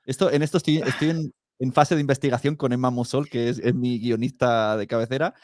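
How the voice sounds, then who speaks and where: Man, accent from Spain, podcast interviewer, casual and halting, medium pitch, dry studio-like sound. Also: steady tone, a little mellow, no echo. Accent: Spanish from Spain. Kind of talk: casual chat.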